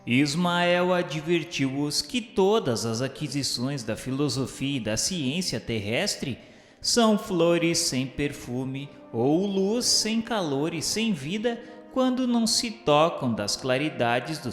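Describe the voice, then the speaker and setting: A Brazilian man narrating a scripted religious radio drama in a solemn, measured, literary way. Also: a little high, big pitch swings. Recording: echoing hall-like reverb, music behind. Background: music.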